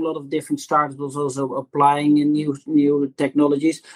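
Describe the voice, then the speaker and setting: A man talks with a Dutch accent. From Netherlands. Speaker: tech startup founder. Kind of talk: podcast interview.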